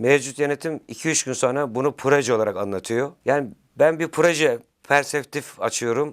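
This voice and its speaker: This is an unremarkable speaking voice at a moderate pace with ordinary pitch variation. The recording is very clean, with a silent background. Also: man, fairly high pitch for a man. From Turkey, Balıkesir countryside. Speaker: veterinarian and livestock farmer, association candidate. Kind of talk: interview.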